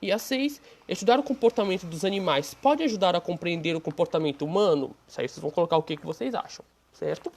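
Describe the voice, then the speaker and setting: A woman's voice: medium pitch, darkish tone. A woman with a Brazilian Portuguese accent teaching an online language lesson, explaining step by step in a patient, friendly way.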